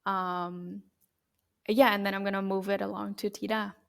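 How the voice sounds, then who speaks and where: A woman's voice: medium pitch, level tone, normal speed, creaky, a bit bright, clear, resonant tone. Easygoing young woman from Cambodia. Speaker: podcast co-host. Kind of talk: casual chat.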